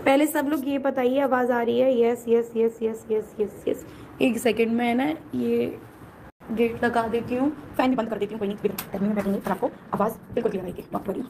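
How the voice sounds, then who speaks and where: A woman vlogger talks fast to her viewers in a casual way from a room at home. Her voice has a dark, mellow tone. She rushes from one point to the next. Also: on the high side, steady tone, a little hiss or hum. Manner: chatty, rushed, keeps asking if viewers can hear her. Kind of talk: casual vlog talk to viewers.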